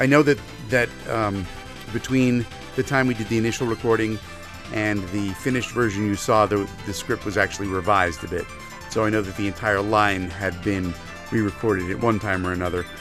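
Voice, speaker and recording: A man's fairly low voice carries ordinary pitch variation as music plays behind him. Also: fairly quick pace. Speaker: voice actor. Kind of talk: interview answer.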